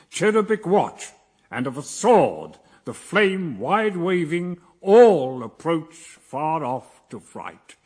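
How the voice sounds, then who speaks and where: An actor playing God as a stern, commanding ruler, solemn and grandly declamatory, in a radio verse drama. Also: male voice, medium pitch, breathy edge.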